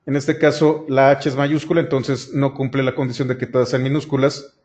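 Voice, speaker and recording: A man's voice: medium pitch, flat delivery, brisk, a little mellow. A male programming instructor, explaining a coding lesson step by step and speaking directly to his students. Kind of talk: screen-recorded coding lesson. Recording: dull lo-fi sound.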